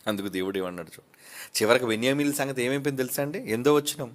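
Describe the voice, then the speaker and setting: A male pastor preaching a sermon, rising from quiet asides to loud peaks, firing off rhetorical questions and mimicking gossips. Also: mid-range voice, rapid-fire.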